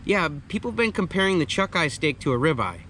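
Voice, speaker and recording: A man's voice: on the high side, big pitch swings, fast, pushed and bright. Casual man in his thirties, faint noise. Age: 30s. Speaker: host. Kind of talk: casual vlog chat.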